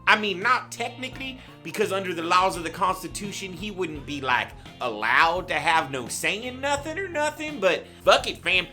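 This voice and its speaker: A man playing a brash, loudmouthed redneck guest who rants crudely and rambles on a comedy show. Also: sits high, lively intonation, normal speed, hardly any pauses, faint music behind, full character voice. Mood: ranting. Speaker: guest ranter.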